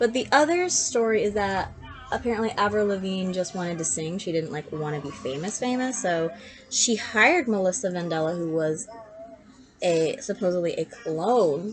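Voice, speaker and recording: Music plays in the background as a woman speaks with an American accent. Her intonation is lively. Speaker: beauty YouTuber. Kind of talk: chatty get-ready-with-me vlog. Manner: casual, filler-heavy.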